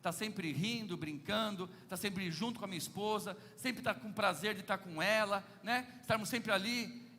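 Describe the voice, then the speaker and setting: A man's voice: high-pitched, sharp tone, long reverb tail. A middle-aged man with a Brazilian Portuguese accent preaching a sermon, telling playful anecdotes and turning often to the congregation. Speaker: pastor.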